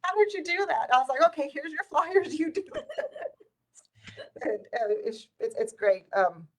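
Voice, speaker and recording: A woman's voice: high voice, measured pace. A middle-aged woman, a native Spanish speaker, telling stories in a casual, conversational way and acting out quoted dialogue. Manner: animated retelling with quoted dialogue. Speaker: community volunteer sharing life stories.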